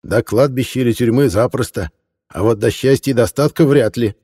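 A man voicing a sly, fussy old male antiquarian who speaks in a drawn-out, mock-kindly grandfatherly tone. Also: mid-range voice, warm tone, slightly rough, in a large hall, pitched above the performer's own voice, natural voice. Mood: ironic. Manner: slow, drawn-out, grandfatherly scolding tone.

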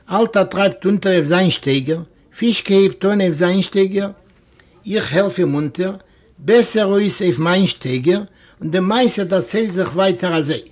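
A man reads a classic story aloud in a fairly high voice. His telling is expressive, and it rises into animated exclamations when the characters grow heated. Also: measured pace. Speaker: reader.

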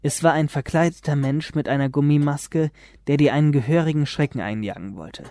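An actor voicing a polite, self-assured young detective in a German radio drama. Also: male voice, fairly high pitch, fairly quick, a little mellow, no room sound, studio quality, lightly acted. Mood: confident. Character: calm, clever teenage boy detective.

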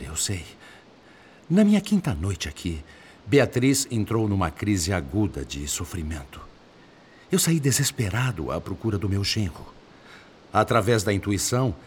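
A man's voice: low-pitched, slight background noise. A Brazilian actor playing an indignant, wounded older father in a radio drama, speaking in an emphatic, theatrical, impassioned way.

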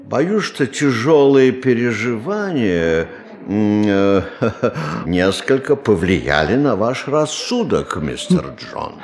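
A man's voice: on the low side, big pitch swings, takes it slowly, full character voice. An actor playing a condescending male boss in a radio play, brusque and dismissive, with a patronizing, skeptical drawl. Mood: patronizing pity. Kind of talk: Russian radio play acting.

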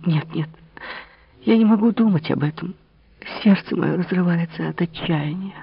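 A man voicing a young woman, a desperate lover pleading in breathy whispers in an audiobook reading, on a dull lo-fi recording. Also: mid-range voice, moderate pace, voice pushed up.

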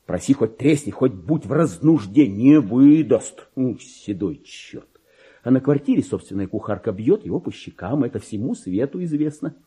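A man's voice: mid-range voice, lively intonation, normal speed, warm tone, breathy edge. An actor voicing a petty, resentful, self-important male clerk in a radio play monologue, theatrical and grumbling, with mimicry of other people. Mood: indignant grumbling. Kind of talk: dramatic monologue in a Russian literary radio play.

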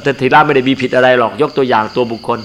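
A man's voice: medium pitch, steady tone, rapid-fire, a bit bright, slight background noise. An older man, a monk, giving an earnest and emphatic dharma sermon.

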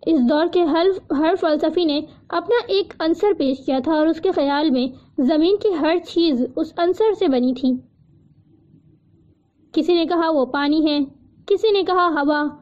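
An eager, determined young woman voiced by the woman narrator talks in an urgent, insistent way. Her voice is high, and the audiobook recording sounds dull and lo-fi. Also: natural voice.

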